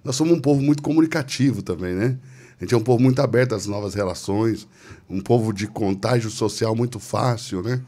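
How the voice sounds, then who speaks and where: Man, podcast host, reflective, thinks aloud, low voice, mellow. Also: a little fast. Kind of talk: casual chat.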